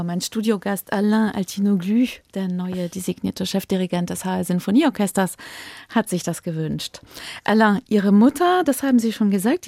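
A woman hosting a radio interview, asking clear, direct questions in a measured way. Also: mid-range voice, dark tone, no room sound, clean studio sound. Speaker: radio host. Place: radio studio.

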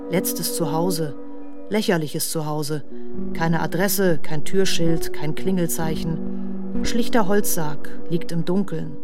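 A woman playing an anguished narrator in a bleak literary radio play, reciting short fragmented lines deliberately and starkly. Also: on the low side.

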